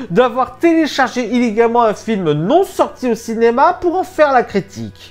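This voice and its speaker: Against noticeable background noise, the speaker goes at a fairly slow pace. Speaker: YouTube film critic. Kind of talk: video review commentary.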